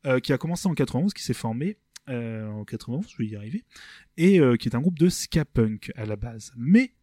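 A man's voice: mid-range voice, expressive, a little fast, mellow, no room sound, clean studio sound. A man co-hosting a casual music podcast, rambling and hesitant with many fillers. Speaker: podcast co-host presenting a band. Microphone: desk microphone.

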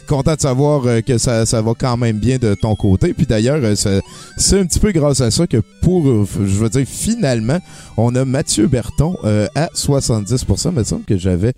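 Quebec guy radio host, dark mellow voice, chatty n rambly, bit of music behind. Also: mid-range voice, lively intonation, normal speed. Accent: Quebec French. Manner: effusive, playful, rambling. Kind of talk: casual phone interview, chatty. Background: faint music.

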